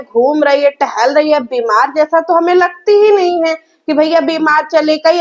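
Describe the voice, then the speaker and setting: High-pitched mocking woman vlogger. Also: muffled recording. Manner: mocking, scolding, addresses viewers as guys. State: sore throat. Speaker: reaction vlogger. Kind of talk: roast reaction commentary.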